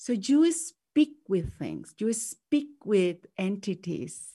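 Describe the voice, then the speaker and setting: Speaking very slowly in a Mexican accent, a woman with a medium pitch and warm tone makes very wide pitch swings, recorded very cleanly against a silent background. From Mexico. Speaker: goddess mentor and radio show host. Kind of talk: solo monologue on spirituality, live show. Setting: internet radio show. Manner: halting, filler words, warm.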